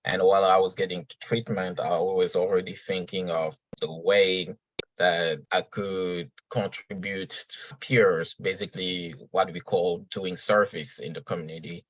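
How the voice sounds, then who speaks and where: A man's voice: sits low, flat delivery, a little slow, dry recording, highs cut off. A man, a podcast guest talking earnestly and reflectively at an uneven pace. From Senegal. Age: 30s. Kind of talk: casual conversational interview.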